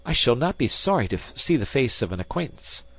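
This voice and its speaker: A man's voice: very animated, a little fast, fairly bright tone, husky, dry recording, full character voice. A man voicing a frantic, fawning middle-aged landlord in an audiobook, pleading and whining. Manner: pleading, panicky, high and whining. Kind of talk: audiobook character voice.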